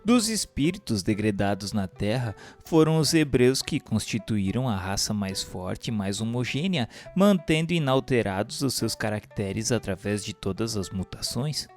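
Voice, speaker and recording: A man's voice: on the low side, big pitch swings, normal speed, few pauses. A man with a Brazilian accent reads a scripted religious text as narrator, in a solemn, formal, declamatory manner. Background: instrumental music.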